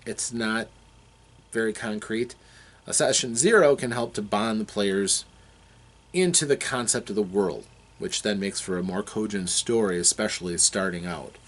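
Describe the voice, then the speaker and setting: A man with a fairly low voice talks through game design as a game master. His delivery is unscripted and explanatory, with deliberate, halting phrasing as he works out his thoughts aloud.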